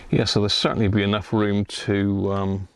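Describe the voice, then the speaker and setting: A man's voice: on the low side, little pitch movement, moderate pace, slight background noise. A man giving casual live commentary as he does electronics repair, chatting and half muttering to himself while he works.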